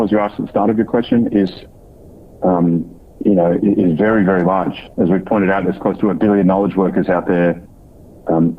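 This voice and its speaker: Low-voiced executive man on a tinny phone line. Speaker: company executive on an earnings call. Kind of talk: unscripted business answer to analyst questions. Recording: tinny band-limited phone conference line.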